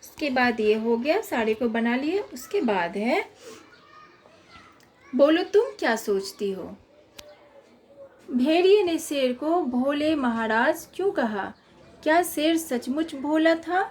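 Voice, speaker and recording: A woman's voice: high-pitched, animated, a little slow, darkish tone, slight background noise. A woman teacher explaining a children's workbook lesson, reading out questions and patiently dictating the answers.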